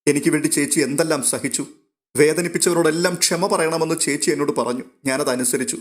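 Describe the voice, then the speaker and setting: A man's voice: fairly high pitch, brisk, close to an everyday voice. A man voicing a remorseful young man who apologizes in a choked, emotional voice.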